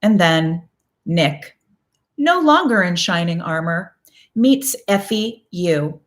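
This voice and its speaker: A woman psychologist delivering a scripted educational talk in a wry, emphatic manner with deliberate phrasing. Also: on the low side, expressive. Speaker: psychologist host.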